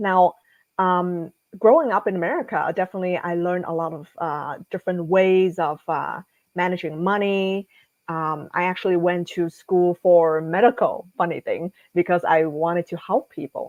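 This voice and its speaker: On a very clean recording with a silent background and a dry, close sound with no echo, a woman talks at a moderate pace and fairly low pitch with fairly even intonation. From Vietnam, Chinese family; moved to US at twelve. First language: Cantonese. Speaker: financial professional. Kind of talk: podcast interview. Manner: some hesitation, stumbles.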